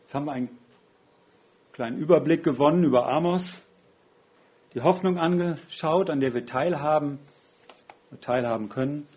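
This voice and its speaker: A man's voice: fairly high pitch, normal speed, long pauses, a little mellow. A man preaching a sermon in an earnest, reflective way, often asking rhetorical questions.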